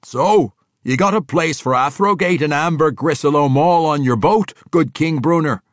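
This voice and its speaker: A man's voice: fairly high pitch, normal speed, no room sound, clean studio sound, voice pushed up, lightly acted. A man voicing a boisterous black-bearded male dwarf warrior who roars and laughs in a folksy dialect. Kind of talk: audiobook character voice.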